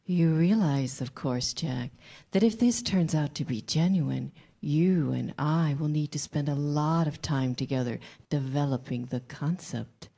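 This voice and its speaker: A woman's voice: low-pitched, a little slow, vocal fry, dark tone, full character voice. A woman playing a seductive, manipulative Hollywood producer with a condescending streak in a staged reading.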